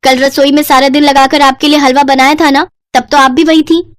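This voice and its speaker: A woman's voice: high voice, flat delivery, a little fast, a bit bright, no room sound. A woman voicing a lazy young bride who pleads and makes excuses in a cartoon story. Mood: pleading.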